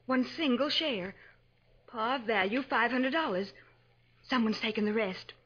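A detective's female assistant in old radio crime drama. Her voice is husky and a little high, with an earnest, inquisitive delivery. The recording is dull and dated. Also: measured pace, a bit bright. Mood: puzzled, urgent. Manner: questioning, earnest. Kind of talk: 1940s radio drama acting.

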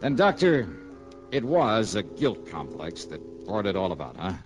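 An actor playing a tough, wisecracking insurance investigator in a 1960s radio drama, speaking in a clipped, sardonic way. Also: male voice, lowish voice, big pitch swings, measured pace, over music. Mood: wry. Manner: clipped, hard-boiled, sardonic. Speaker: narrator and lead.

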